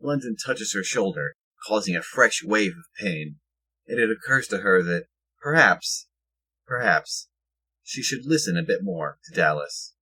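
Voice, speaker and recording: A man with a husky voice reading scripted narration for an audio drama. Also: on the low side, expressive, measured pace, pushed and bright, rough recording.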